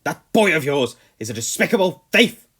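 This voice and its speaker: A man playing a pompous older colonel who shouts and rants in fury at a family. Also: on the high side, sing-song, normal speed, breathy edge, pitched above the performer's own voice, full character voice. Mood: raging. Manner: shouting, ranting. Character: pompous older male colonel, furious landowner.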